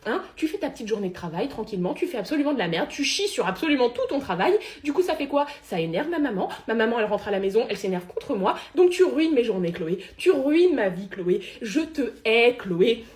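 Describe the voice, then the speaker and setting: A crude, dramatic little female dog with a fairly high voice, as a woman puts her on in a comedy sketch. She swings from deadpan mutters to outbursts, caught in a roomy, echoey space. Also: fast, natural voice. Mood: ranting. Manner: crude, deadpan then explosive. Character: cheeky foul-mouthed female pet dog, dramatic.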